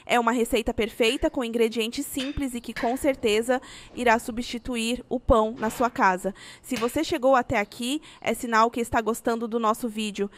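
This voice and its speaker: A woman's voice: on the high side, no echo. A woman with a Brazilian Portuguese accent, reading a scripted recipe voice-over as host.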